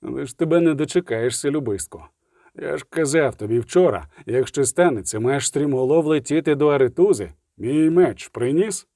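A man's voice: mid-range voice, lively intonation, moderate pace, warm tone, no room sound. A man doing a curt, grim witcher. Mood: scolding. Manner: curt and dry. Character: grim middle-aged male witcher, curt.

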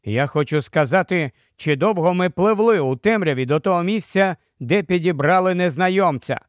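A man voicing a young king who quietly and uneasily questions his captain, in an audiobook. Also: high-pitched, lively intonation, moderate pace, no echo, clean studio sound. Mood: uneasy.

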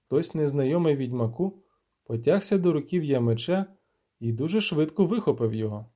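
Male audiobook narrator, measured delivery, dark warm timbre, slightly raised pitch. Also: expressive. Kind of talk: scripted fantasy narration.

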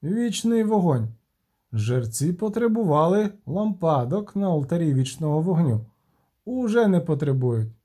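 A man's voice: on the high side, sing-song, a little slow, dark tone, husky, voice pushed up, exaggerated voice. A man voicing a cheerful, shrewd halfling merchant who counts out figures precisely. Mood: calculating.

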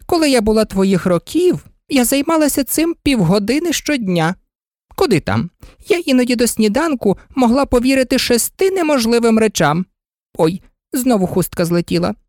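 A woman's voice: very animated, normal speed, a little mellow, dry recording, clean studio sound. A woman voicing a fussy, scatterbrained elderly queen who talks in flustered exclamations. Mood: insistent. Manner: flustered, exclaiming, squeaky at times.

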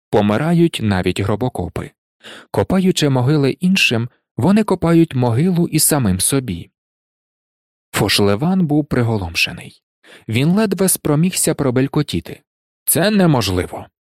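A man reading a novel aloud as an audiobook narrator, in expressive storytelling narration. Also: mid-range voice, normal speed, no echo, studio quality. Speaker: audiobook reader.

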